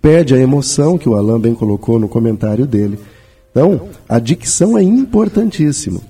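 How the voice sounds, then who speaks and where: A man's voice: medium pitch, sing-song, fairly quick, mellow, husky, far from the mic, soft background music. A man commenting on a radio discussion, explaining in a conversational way with frequent tag questions. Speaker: guest commentator.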